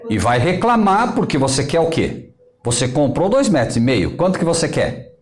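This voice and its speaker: A man's voice: on the high side, very animated, normal speed. A man teaching a Bible study, asking the audience questions and acting out dialogue.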